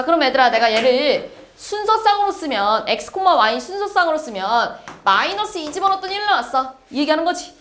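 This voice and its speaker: A woman teaching a math class, lively and quick to check whether students follow. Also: high-pitched, a little hiss or hum. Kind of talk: classroom lecture. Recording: echoey classroom.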